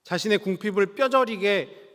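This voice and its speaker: A male pastor preaching a Sunday sermon in a church sanctuary, earnest and measured, slowing down to stress key words. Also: sits high, fairly bright tone. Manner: earnest, measured preaching with slow emphatic stretches. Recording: reverberant church hall.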